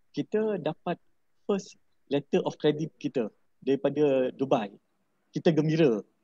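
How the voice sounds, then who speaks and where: A man's fairly high, dark, mellow voice with a Malaysian accent, lively in intonation and fairly slow, with long, frequent pauses against a quiet background. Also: dry sound with no echo. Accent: Malaysian Malay. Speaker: food company managing director. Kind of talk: panel discussion. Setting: video call. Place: home room. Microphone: earbuds.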